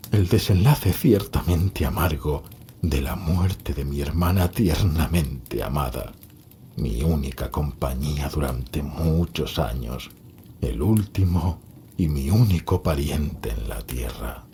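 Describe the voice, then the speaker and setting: Deep, slow, haunted gothic heir. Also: male voice, expressive, warm tone, a little hiss or hum, full character voice. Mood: resigned, melancholy. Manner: slow, brooding, halting dramatic delivery. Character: melancholy, frail, haunted last heir of a doomed lineage. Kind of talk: gothic horror audio drama acting.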